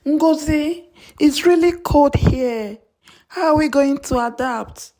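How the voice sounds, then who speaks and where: Woman playing plaintive, bitter young immigrant woman, raised pitch. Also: slow pace, warm tone. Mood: worried, cold.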